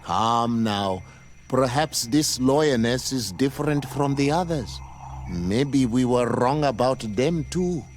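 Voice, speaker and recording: An actor playing a calm, wise, dignified tribal spiritual leader in a video game, speaking in a solemn, formal, measured way. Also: male voice, mid-range voice, slight background noise. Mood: gracious, measured. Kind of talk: scripted video game acting.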